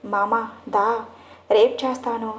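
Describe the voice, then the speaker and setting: A woman's voice: on the high side, steady tone, takes it slowly, slight background noise. A woman narrator voicing a playful, teasing young woman who speaks in theatrical, mock-dramatic lines. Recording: echoey room.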